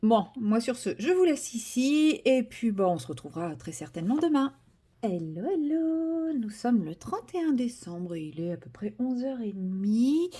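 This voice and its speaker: A woman's voice: fairly high pitch, expressive, moderate pace, few pauses, dark tone. A woman vlogging casually from home, chatty and hesitant with many fillers and self-corrections, turning enthusiastic as she shows a craft kit. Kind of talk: casual vlog chat.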